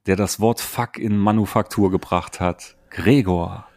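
Lowish-voiced man, casual podcast host. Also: steady tone, unhurried, darkish tone, no echo, clean studio sound. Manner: colloquial, informal.

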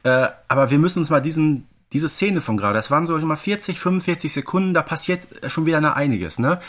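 A man's voice: a little high, lively intonation, fast, a bit bright. A man from the Ruhr area co-hosting a podcast, giving informative commentary in a chatty way with frequent question tags. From Ruhr area, Germany. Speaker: podcast co-host.

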